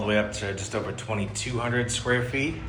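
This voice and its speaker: Over noticeable background noise and audible room echo, a man with a Massachusetts accent talks fairly quickly with fairly even intonation. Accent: Massachusetts accent, non-rhotic. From Massachusetts, North Shore. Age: 40s. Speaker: real estate agent. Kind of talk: home tour vlog. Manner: casual, filler-heavy.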